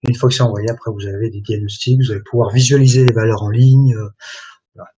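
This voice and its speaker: A man presenting and demoing software in a webinar, talking in a halting way and filling pauses constantly. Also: fairly low pitch, steady tone, slight background noise. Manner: hesitant, many fillers like voilà and hein. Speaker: product presenter.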